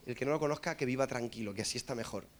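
A man with a Madrid accent preaching through a funny story, animated and joking, asking listeners for amens. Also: medium pitch, racing, a little hiss or hum. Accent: Madrid Spanish. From Spain. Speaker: preacher and musician. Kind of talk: humorous storytelling sermon.

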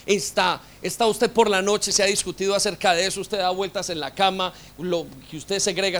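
A male pastor preaching with passion, his voice pitched high for a man and ringing bright. He presses his listeners with rhetorical questions. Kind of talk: sermon.

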